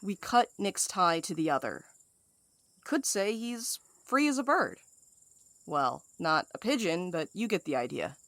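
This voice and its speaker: A woman's voice: fairly low pitch, sing-song, a little slow, a bit bright, no echo, full character voice. A woman playing a cocky, sardonic and protective companion in an audio drama, wry and blunt. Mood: wry, defiant. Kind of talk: audio fiction drama acting.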